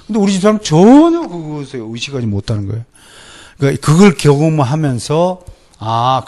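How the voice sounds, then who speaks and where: Lively pastor with a Gyeongsang accent. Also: male voice, medium pitch. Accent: Gyeongsang Korean. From Gyeongsang region, Korea. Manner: lively, animated, mimics people in quoted voices. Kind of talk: sermon lecture.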